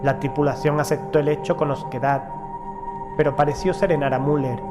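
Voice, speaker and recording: A man reading a first-person horror story as an audiobook narrator, in a measured, formal storytelling delivery. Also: a little high, level tone. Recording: music behind the voice. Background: background music.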